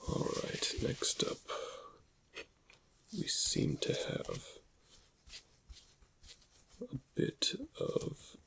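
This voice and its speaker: A man playing a shady alien dealer in black market antiquities, in a hushed, whispery ASMR roleplay with a gravelly voice and a musing manner. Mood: intrigued, appraising. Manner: hushed, unhurried, musing over goods. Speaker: ASMR performer.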